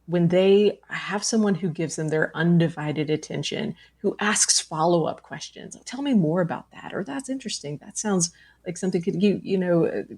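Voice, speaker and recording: A young woman chaplain answers a caller on a radio show. Her voice is low and gravelly with frequent fry, and she speaks gently and reflectively with many pauses. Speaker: chaplain and author. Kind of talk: radio interview.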